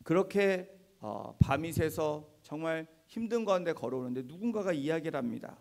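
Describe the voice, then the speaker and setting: A middle-aged male pastor giving a Sunday sermon in a church, telling stories gently and often affirming himself with "ye". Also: on the high side, lively intonation, moderate pace, gravelly. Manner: gentle storytelling with frequent "ye" affirmations. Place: church sanctuary.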